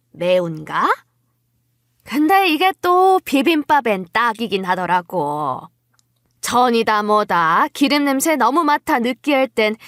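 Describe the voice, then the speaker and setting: A woman's voice: fairly high pitch, a bit bright, dry recording, studio quality, exaggerated voice. A woman acting a scheming middle-aged mother-in-law in an audio drama, coaxing with false sweetness and feigned innocence.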